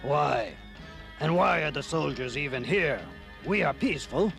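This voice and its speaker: An actor in an animated series playing a solemn, dignified tribal chief with formal, stately phrasing. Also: male voice, on the high side, measured pace, vocal fry. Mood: concerned. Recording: loud music behind the voice.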